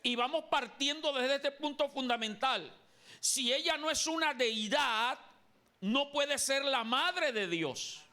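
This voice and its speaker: A man's voice: very high-pitched, slow, sharp tone. A man from Colombia preaching a sermon as pastor in a church, emphatic and calling on the congregation to repeat after him. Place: church sanctuary.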